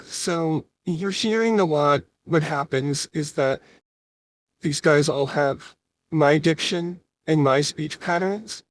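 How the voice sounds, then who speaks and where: A woman talking casually through a software demo, her voice converted by a real-time voice changer into a masculine one. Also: low voice, takes it slowly. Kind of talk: casual live software walkthrough.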